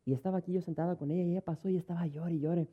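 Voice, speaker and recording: A man's voice: fairly high pitch, steady tone, very fast. A pastor, preaching a sermon in a conversational way and telling stories from his congregation. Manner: conversational, storytelling, acts out dialogue. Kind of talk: sermon with personal anecdotes. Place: church. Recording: tinny phone-like sound.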